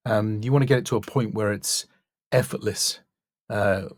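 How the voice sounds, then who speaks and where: A man's voice: fairly low pitch, steady tone, moderate pace, dry recording, studio quality. A man working as a voice-over coach, giving a casual, thoughtful spoken critique and stressing key words. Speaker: voice-over coach reviewing demo reels.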